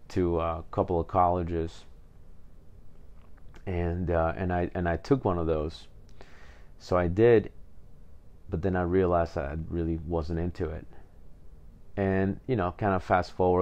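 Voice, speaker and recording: A very deep-voiced man from Peru hosts a podcast, telling his life story in a loose, rambling way. His voice stays level and even, with many "you know"s and repeated words. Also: lo-fi sound. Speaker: podcast host. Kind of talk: casual personal storytelling.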